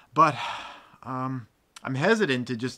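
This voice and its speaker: The man's voice has a bright, sharp tone. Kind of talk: casual vlog chat. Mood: frustrated. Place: garage.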